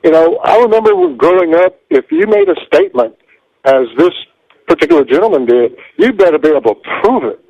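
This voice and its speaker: A man's voice: sits high, wildly swooping pitch, a little fast, creaky, a little mellow, dry recording. A man calling in to a radio show, making his point in an earnest, argumentative way. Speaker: caller. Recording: phone line.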